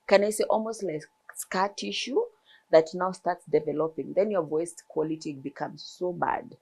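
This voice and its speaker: A woman's voice: fairly low pitch, moderate pace, a little mellow, slightly rough. A woman ENT surgeon, explaining throat health in a TV interview with examples. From Kenya.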